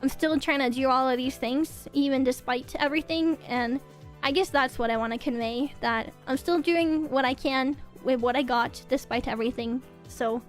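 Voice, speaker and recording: Woman, young, high pitched, loose rambling talk, repeats herself. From Norway. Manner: rambling, restarts and repeats words. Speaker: streamer. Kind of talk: casual chat with viewers.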